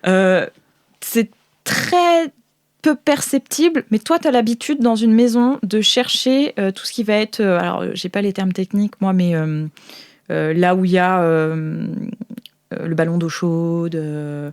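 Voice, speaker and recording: A woman's voice: on the low side, unhurried, a little mellow, smooth. A woman improvising tabletop game narration as game master, casual and searching for her words.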